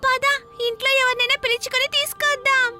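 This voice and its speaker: A woman's voice: very high voice, level tone, fast, over music. A woman voicing a timid, cautious little child in a cartoon, speaking in a hesitant, nervous way. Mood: nervous, wary. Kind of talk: cartoon character dialogue.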